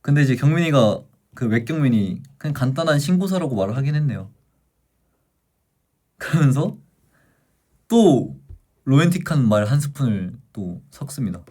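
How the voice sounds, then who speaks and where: A man's voice: medium pitch, sing-song, normal speed, pauses often, a little mellow. A young man hosting a livestream, chatting animatedly as he retells a book's plot to his viewers. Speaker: livestream host. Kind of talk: casual livestream chat retelling a book.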